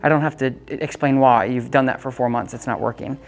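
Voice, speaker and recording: Woman, deep voice, dog trainer, casual coaching, chatty with fillers, quick upbeat commands to the dog. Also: fairly even intonation. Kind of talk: hands-on coaching of dog owners.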